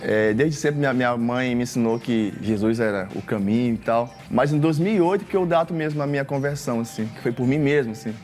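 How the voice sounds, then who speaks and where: A man from Maranhão, a gospel singer guest on a studio talk show, relaxed and casual as he tells his story. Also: mid-range voice, brisk, hardly any pauses, soft background music. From Maranhão, Brazil. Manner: relaxed storytelling, uses "galera" and "cara". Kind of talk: casual testimony interview.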